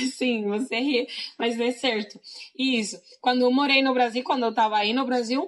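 Speaking at a fairly slow pace, a woman keeps a high pitch and fairly even intonation. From Dominican Republic, Santo Domingo. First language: Spanish (speaking Portuguese). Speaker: former exchange student and language learner. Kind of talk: casual interview.

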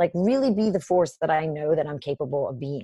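Somewhat breathy and dark, mellow in tone, a woman speaks at a fairly low pitch with lively intonation. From South America. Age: 50s. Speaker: business coach. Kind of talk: casual chat. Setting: podcast interview. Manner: animated.

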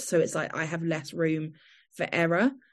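A woman speaks with an English accent at a moderate pace. Her pitch sits fairly low. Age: 30s. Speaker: beauty journalist. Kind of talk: casual chat.

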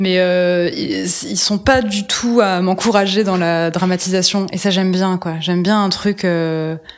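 This woman speaks at a very slow pace. Her intonation is fairly even. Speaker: author, dancer and singer. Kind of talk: casual interview. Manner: halting.

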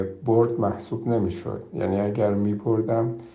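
Against audible room echo, a man talks at a fairly slow pace and fairly low pitch, with fairly even intonation. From Iran, Neyshabur. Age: 60s. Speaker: film director. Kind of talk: interview. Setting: phone call.

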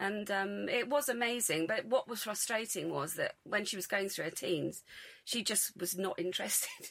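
A woman's medium-pitched voice at a moderate pace with ordinary pitch variation, against noticeable background noise. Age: 60s. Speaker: podcast guest, parent. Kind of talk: casual chat.

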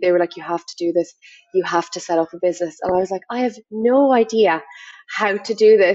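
The speaker talks at a very fast pace in a Limerick accent. The pitch varies in an ordinary way. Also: woman. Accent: Irish (Limerick). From Ireland, Limerick. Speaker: digital marketing agency founder. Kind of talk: interview.

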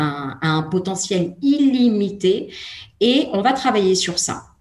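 Lively intonation with a somewhat breathy quality. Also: woman. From Lebanon, moved to France at 11. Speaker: life coach. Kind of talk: interview testimony. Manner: halting.

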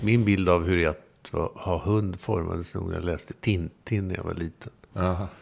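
Keeping a moderate pace, this man's very deep, low voice moves with fairly even intonation. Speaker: podcast guest. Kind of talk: casual chat. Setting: at home.

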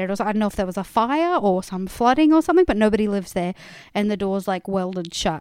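An Australian accent from a woman, on a very clean recording against a silent background. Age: 20s. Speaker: podcast co-host, performer. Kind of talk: casual chat. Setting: home recording.

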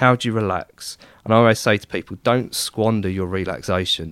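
In a very clean recording with a silent background, a man speaks with an English accent and ordinary pitch variation. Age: 40s. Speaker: activist and podcaster. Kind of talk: casual chat.

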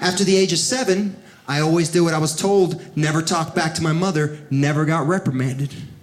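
Over noticeable background noise, a man talks at a fairly quick pace in a high pitch with fairly even intonation. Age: 40s. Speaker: comedian. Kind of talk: stand-up. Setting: stage with audience.

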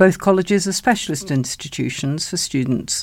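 Lively intonation marks a woman speaking at a fairly quick pace with an English accent. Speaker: volunteer newsreader and presenter. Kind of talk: reading aloud. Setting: studio. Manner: formal.

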